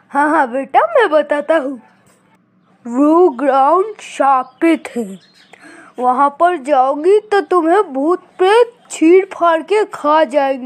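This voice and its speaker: In a cartoonish character voice, a woman talks at a very slow pace and a high pitch. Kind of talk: storytelling dialogue. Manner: gentle, warning, reassuring.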